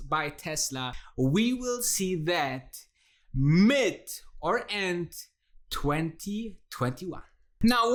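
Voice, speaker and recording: A host with a mid-range voice gives enthusiastic, conversational commentary on stock investing. He addresses viewers directly and emphatically.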